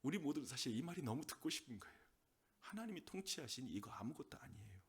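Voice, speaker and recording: Husky pastor, loud then whispered. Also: male voice, medium pitch, very animated, fast talker. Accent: Gyeongsang Korean. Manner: swings between loud emphatic lines and soft whispered asides. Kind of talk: sermon.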